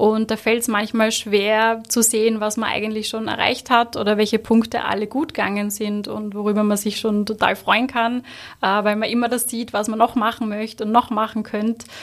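A woman with a fairly high pitch speaks at a moderate pace in a monotone, flat intonation. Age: 20s. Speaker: physiotherapist and practice owner. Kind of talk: casual chat.

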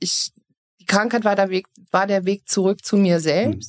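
A woman at medium pitch speaks at a fairly slow pace with fairly even intonation, the sound dry and close with no echo. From Belgium, Eupen (German-speaking community). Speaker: former music and fashion industry manager. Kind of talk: casual interview. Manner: loud.

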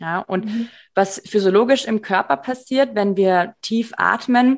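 Here is a woman with a normal speaking voice. Her pitch is medium, with ordinary variation. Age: 30s. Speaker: relaxation and stress coach. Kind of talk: interview.

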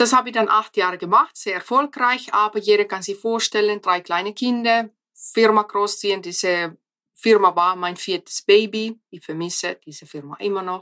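A woman speaks with a Finnish accent and ordinary pitch variation. Her loudness swings widely. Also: medium pitch for a woman, moderate pace. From Finland. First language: Finnish (speaking German). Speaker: entrepreneur and speech coach. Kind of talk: interview.

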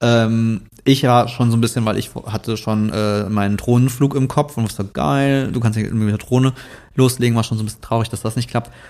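Recorded very cleanly against a silent background, a man with an unremarkable speaking voice talks at medium pitch with fairly even intonation. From Trier region, western Germany. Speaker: podcast co-host. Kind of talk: casual chat.

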